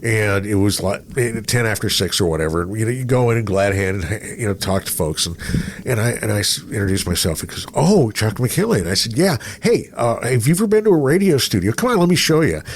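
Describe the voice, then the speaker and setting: A man's voice: on the low side, very animated, fairly quick, slight background noise. A man chatting casually as the host of a radio-style podcast.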